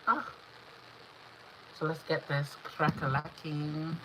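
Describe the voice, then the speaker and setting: A woman from Antigua and Barbuda, hoarse from a cold, talking viewers through a makeup look on a livestream. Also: sits low, flat delivery, slow. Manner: chatty, instructional, greets viewers by name. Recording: dull lo-fi stream audio with clear background noise.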